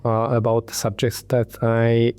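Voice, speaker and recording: A Hungarian tech entrepreneur in his thirties recounts his story in an interview, halting often with ums and restarts. His mid-range voice is smooth, a little mellow, and monotone.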